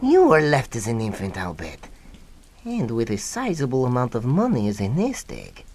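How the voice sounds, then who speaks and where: An actor playing an earnest, incredulous younger mad scientist in a comic radio drama, hesitant and deliberate in delivery. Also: male voice, mid-range voice, wildly swooping pitch, a little mellow, a little hiss or hum. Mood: pondering.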